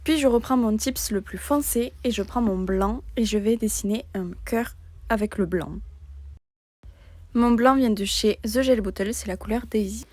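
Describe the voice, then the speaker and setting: A woman calmly narrating a step-by-step nail art tutorial as a voice-over, in a plain explaining tone. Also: on the high side, moderate pace, no echo, studio quality.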